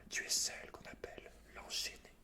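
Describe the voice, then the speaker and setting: Guy playing a sly golden predator beast, all breathy whispering, taunting, fantasy story. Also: moderate pace, lightly acted. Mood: accusing, defiant. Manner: taunting, probing.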